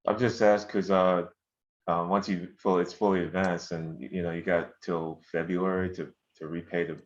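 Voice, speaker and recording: A man's voice: sits low, little pitch movement, moderate pace. A man on a board asking probing questions about a loan's repayment, cautious, with many fillers. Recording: dull lo-fi call audio.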